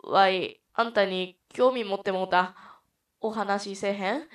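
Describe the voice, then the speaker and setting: A woman's voice: mid-range voice, fairly even intonation, distant mic, close to an everyday voice. Woman playing a pleading rookie detective with a put-on Kansai accent. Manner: loud, slow, pleading. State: stuffy nose. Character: earnest young male rookie detective, Kansai-talking.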